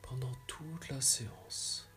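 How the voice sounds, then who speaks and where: A man leads a guided meditation at a very unhurried pace. His voice is soft and soothing, with breathy phrase endings and measured pauses between instructions. Faint music plays behind him. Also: mid-range voice, steady tone, whispered. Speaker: yoga nidra guide.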